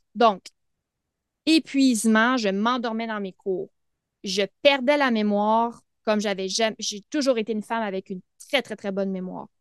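Animated in tone, a woman speaks at a fairly high pitch and moderate pace with ordinary pitch variation and long, frequent pauses. The sound is dry and close, with no echo. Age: 30s. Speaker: podcast host and wellness coach. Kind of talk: personal testimony monologue.

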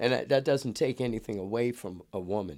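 A man speaks with an American accent and a dark, mellow tone. His pitch variation is ordinary. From Massachusetts (Cambridge). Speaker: recovering alcoholic sharing faith story. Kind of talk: testimony. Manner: halting.

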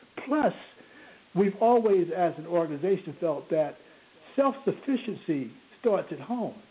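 A man with an American accent talks at a fairly slow pace in a high pitch, using lively intonation and long, frequent pauses. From US South. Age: 70s. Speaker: retired state agency commissioner and activist. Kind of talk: radio interview.

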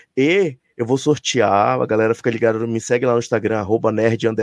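A man speaks at a moderate pace in a normal speaking voice, medium in pitch, with dry, close sound, no echo, and a quiet background. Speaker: teacher and YouTuber. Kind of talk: casual live-stream chat.

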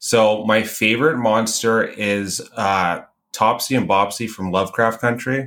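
A man with a Canadian accent speaks at medium pitch and a fairly slow pace, in a normal speaking voice. The recording is very clean, with a silent background. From Canada. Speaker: screenwriter and horror website runner. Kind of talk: casual chat.

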